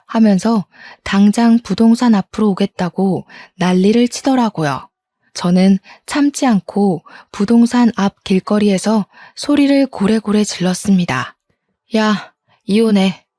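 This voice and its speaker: A woman's voice: mid-range voice, measured pace, warm tone, dry recording. A woman in her thirties narrating a personal story in an indignant, conversational way. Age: 30s.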